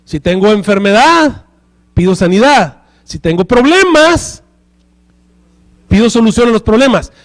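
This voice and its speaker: A man's voice: high-pitched, very animated, measured pace, long pauses. A male pastor preaching a sermon in church, often checking with the congregation through rhetorical questions.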